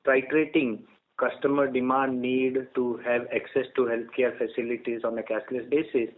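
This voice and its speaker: A man giving a formal, deliberate answer as a company executive on an earnings call. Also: medium pitch. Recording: phone-like line with faint noise.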